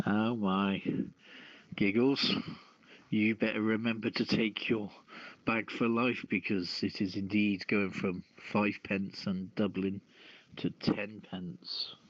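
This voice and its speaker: A man's voice: on the low side, little pitch movement, slow pace, no echo. A man casually hosting a quiz as the question master. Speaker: quiz host. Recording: dull lo-fi dry audio.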